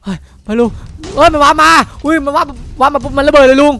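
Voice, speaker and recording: A man improvising dramatic game roleplay, excitable, repeating words rapidly and shouting warnings. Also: extremely high pitch. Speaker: player acting in a Minecraft roleplay cartoon. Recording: loud background music. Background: music.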